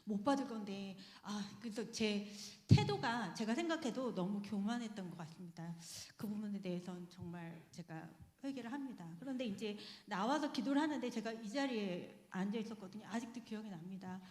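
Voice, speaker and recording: A woman's voice: medium pitch, a little fast, few pauses, darkish tone. A woman giving a personal testimony in church, chatty and earnest, often laughing as she speaks. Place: church sanctuary. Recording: echoey church hall with long reverb.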